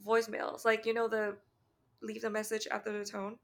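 A woman with a Canadian accent and heavy vocal fry, co-hosting a casual podcast chat with long pauses. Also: medium pitch, completely flat delivery. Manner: long pauses, candid and swearing. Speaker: podcast co-host.

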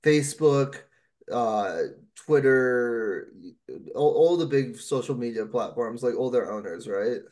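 A man chats on a casual podcast at a middling pitch. He rambles from one aside to the next, with swearing and frequent laughter. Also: slow pace, a little mellow. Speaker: podcast co-host.

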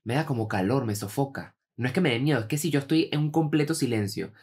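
A young man with a Venezuelan accent telling stories in a relaxed, slang-heavy chat between two co-hosts. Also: medium pitch, quick pace, breathy edge. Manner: animated storyteller, heavy slang. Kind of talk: casual chat.

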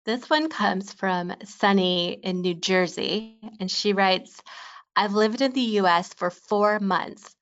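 A woman's voice: medium pitch, slow, clear, resonant tone. A woman hosting a podcast, reading out listener questions and responding to the guest. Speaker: podcast host. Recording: dull, slightly lo-fi sound.

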